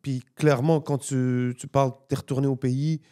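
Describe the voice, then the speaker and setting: A man, co-hosting a podcast and asking halting questions that repeat words and slip into English. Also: medium pitch, fairly even intonation, warm tone. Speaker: podcast co-host. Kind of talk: casual interview questions.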